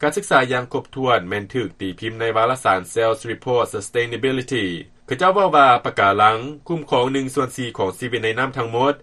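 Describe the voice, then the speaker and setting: Bright, forceful Lao-accented male reporter. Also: medium pitch, normal speed, hardly any pauses. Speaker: news reporter. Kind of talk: scripted news report.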